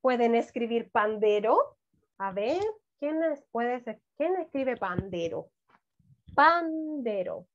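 Slow, coaxing teacher on a video call. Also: female voice, on the high side, animated. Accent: Chilean Spanish. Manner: slow, syllable-by-syllable dictation, coaxing children. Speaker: primary school teacher. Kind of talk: online class for first graders. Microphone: laptop mic on a video call. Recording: dull lo-fi video call audio.

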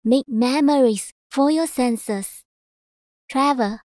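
Female voice-over artist: slightly high, unhurried, measured delivery, dry close recording. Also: a little mellow, no echo. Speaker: voice actor. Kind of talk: voice-over demo reading of commercials, narration and announcements.

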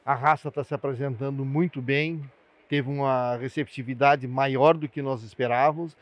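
A man's voice: medium pitch, steady tone, moderate pace, no room sound, dull audio. An older man, a cattle breeder, speaking plainly in an interview at a livestock pavilion into a handheld mic. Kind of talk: interview answer.

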